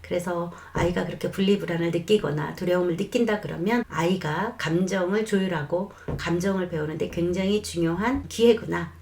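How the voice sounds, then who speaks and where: A woman who is a child development expert, calmly explaining parenting advice in a lesson and sometimes acting out what a mother might say. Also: lowish voice, a little fast, gravelly, few pauses. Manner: calm, reassuring explanation with acted quotes of mothers.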